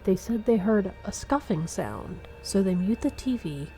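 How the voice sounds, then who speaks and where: Woman narrating a spooky story, bright voice. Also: mid-range voice, expressive, a little slow. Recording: music behind the voice. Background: background music.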